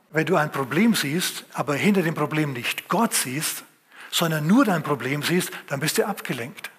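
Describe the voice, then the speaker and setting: Husky-voiced man preaching vividly. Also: on the high side, a bit bright. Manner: vivid storytelling with acted quotes and dramatic pauses. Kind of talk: sermon.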